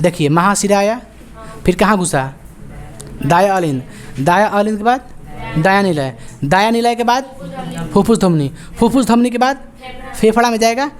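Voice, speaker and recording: Bihari-accented woman teacher quizzing students. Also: medium pitch. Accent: Bihari Hindi. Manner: quizzing students with rapid call-and-response questions; joking, scolding. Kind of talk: classroom lecture.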